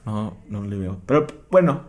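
A man's voice: fairly low pitch, animated, normal speed, darkish tone. A young man with a Mexican Spanish accent in a casual chat, joking in slang and laughing often.

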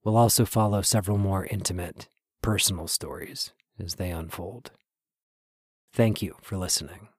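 A man with a husky, breathy voice narrating a scripted podcast introduction in a measured, earnest way. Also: deep voice, steady tone, no echo, studio quality. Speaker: podcast writer, producer and host.

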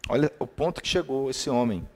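A Brazilian-accented man leads a streamed devotional talk in a middle-pitched voice. His manner is easy and conversational. He lists key words one by one and greets viewers by name between points. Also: animated, brisk, darkish tone. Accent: Brazilian Portuguese. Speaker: preacher.

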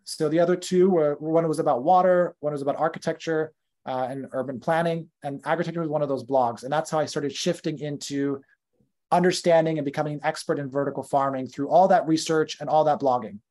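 A man's voice: a little high, steady tone, a little fast, a little mellow. A man in his thirties with a North American accent, telling his story as a guest on a casual podcast, chatty and full of fillers and restarts. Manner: conversational, with fillers and self-corrections. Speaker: podcast guest, company founder.

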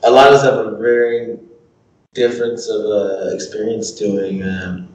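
A man's voice: fairly low pitch, flat delivery, darkish tone, a little hiss or hum. A man co-hosting a casual podcast, chatting and quizzing his guests. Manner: chatty, asks guests quick questions. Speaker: podcast co-host. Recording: echoey room, mic at a distance.

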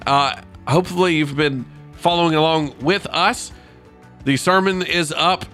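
A man's voice: on the high side, a bit bright. A man speaking casually as a devotional podcast host, informal and self-deprecating, with blocked sinuses that make him sound nasal, as if pinching his nose. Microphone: close podcast microphone.

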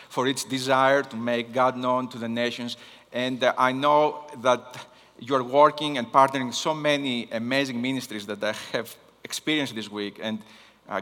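A man from Greece with a Greek accent, preaching a sermon in a deliberate way and repeating key phrases for emphasis. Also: medium pitch, fairly even intonation, fairly bright tone. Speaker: guest missions preacher. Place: large hall, speaking to a congregation. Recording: long hall reverb.

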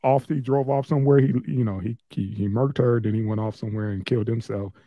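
A man co-hosting a casual podcast chat, loose, profane and quick to laugh. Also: mid-range voice, steady tone, no echo, lo-fi sound. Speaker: podcast co-host.

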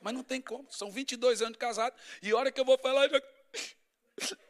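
A middle-aged male pastor, preaching an animated, humorous sermon that swings from loud to hushed. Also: very high-pitched, brisk.

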